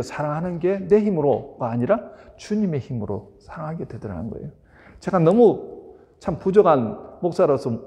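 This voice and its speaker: A man's voice: a little high, darkish tone, big-room sound. A male pastor preaching a sermon, emphatic and full of rhetorical questions to his congregation, in a church sanctuary.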